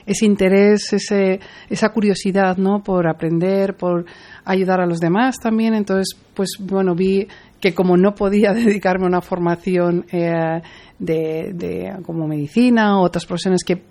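Woman, 40s, from Madrid, interview guest, mellow tone, hesitant and earnest. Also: mid-range voice, steady tone, unhurried. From Madrid, Spain. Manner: hesitant, many fillers and restarts, earnest. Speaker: guest, pharmaceutical executive. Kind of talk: interview conversation.

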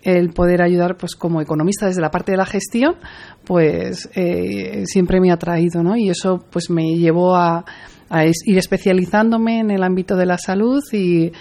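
A woman's voice: lowish voice, steady tone, moderate pace, mellow. A woman in her forties from Madrid, answering interview questions earnestly with frequent hesitations and restarts. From Madrid, Spain. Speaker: guest, pharmaceutical executive. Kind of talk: interview conversation.

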